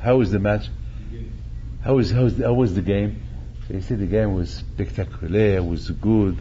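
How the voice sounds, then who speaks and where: In this sermon, an older rabbi from Morocco preaches with animation into a chest-level stand mic in a synagogue hall, repeating phrases and dramatizing quotations. He has a lowish, dark voice and keeps a moderate pace. The recording sounds muffled and carries slight background noise.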